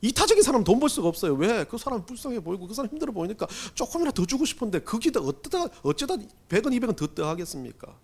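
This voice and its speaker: A male pastor preaching a Sunday sermon in a high, bright-pitched voice that leaps up and down with lively, sweeping intonation. He talks to the congregation conversationally, firing off rhetorical questions, then drops to a hush before rising again. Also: very fast, hardly any pauses, breathy edge. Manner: swings between loud emphasis and hushed asides.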